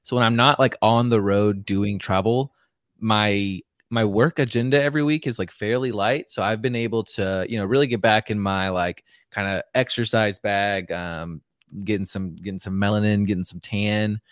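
A man's voice: lowish voice, steady tone, normal speed, no room sound, studio quality. A man co-hosting a casual podcast, talking in a chatty, rambling way with lots of "like", on a handheld microphone. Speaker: podcast co-host.

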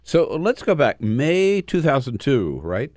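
A man hosting a casual political discussion, talking in an animated way and often tagging his points with "right?". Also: mid-range voice, unhurried, no room sound. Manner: animated, frequent "right?" tags. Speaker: host.

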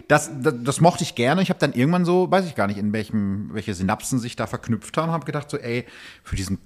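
A man's voice: mid-range voice, expressive, brisk. A man talking in a casual, colloquial and self-ironic way, telling stories as a podcast guest. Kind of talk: casual chat, storytelling.

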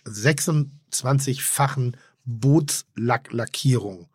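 A man's voice: medium pitch, slow, husky, no room sound, studio quality. A man co-hosting a casual podcast, rambling and effusive, often trailing off and restarting his sentences.

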